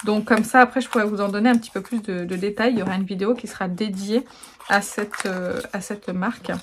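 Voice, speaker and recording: A woman's voice: medium pitch, steady tone, brisk, noisy background. A woman with a French accent chatting casually in a home beauty vlog, laughing often and full of fillers. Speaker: beauty vlogger. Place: home, indoors.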